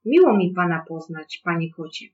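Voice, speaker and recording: A storyteller voicing a lonely, gentle little house in a soft, polite way in a storybook read-aloud. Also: medium pitch, lively intonation, normal speed, echoey room, far from the mic, highs cut off, a little hiss or hum, close to an everyday voice.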